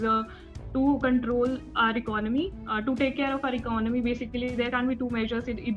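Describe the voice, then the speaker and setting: A young Indian-accented woman speaks in a fairly high voice as she gives formal interview answers. She sounds nervous and hesitant, deferring politely to the panel. The sound is dull and band-limited, with music running behind her. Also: fairly bright tone. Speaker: interview candidate.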